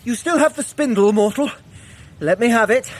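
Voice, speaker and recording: An actor playing a sly, witty trickster god with a wry, theatrical manner in an audio adventure. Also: male voice, extremely high pitch, lively intonation, moderate pace, slight background noise. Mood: rueful, dismayed. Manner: wry, theatrical, hesitant when evasive. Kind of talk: dramatised audio adventure for runners.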